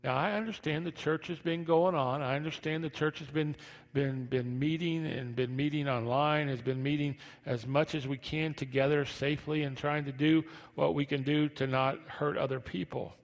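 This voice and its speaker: A man preaching a conversational sermon as a pastor, halting and repeating phrases, his speech slightly slurred by missing teeth. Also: fairly high pitch, fairly even intonation. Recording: long hall reverb.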